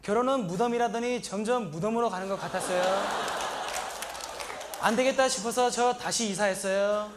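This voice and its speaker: A comedian playing an earnest young male migrant worker with a Sri Lankan accent, speaking in short, broken sentences and shouting an indignant catchphrase. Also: sits high, moderate pace, noisy background, natural voice. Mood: plaintive. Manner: broken, simple Korean sentences. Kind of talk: stand-up comedy monologue.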